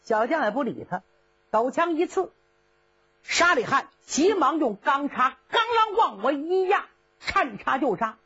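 Brief: woman storyteller, high voice with wide swings, brisk vivid narration, dull lo-fi recording. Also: big pitch swings, fairly bright tone. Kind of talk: traditional storytelling performance.

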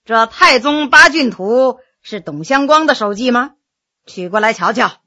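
A commanding emperor in plain disguise, from a historical tale, played by a woman. He talks with composed authority, in a clear-cut bright voice with varied melody. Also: fairly high pitch, animated, a little slow, heavily acted. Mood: interested. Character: composed, commanding emperor traveling incognito, man. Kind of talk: dramatized storytelling.

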